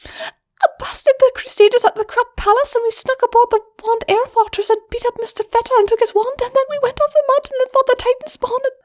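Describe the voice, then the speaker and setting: Young goblin filly, very high squeaky voice, rushed teary babble, storybook. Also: female voice, steady tone, a little mellow. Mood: sniffly.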